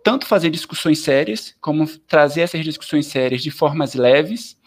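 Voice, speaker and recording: A man, chatting as a guest in an interview, lively and full of filler tags. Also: fairly high pitch, normal speed. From southern Bahia, Brazil. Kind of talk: casual interview chat.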